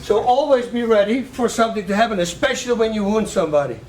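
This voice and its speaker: A man coaching a striking class, counting out combinations with punch sounds and shouting cues to his students. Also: sits high, quick pace. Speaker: martial arts coach. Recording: roomy, distant, faint gym noise.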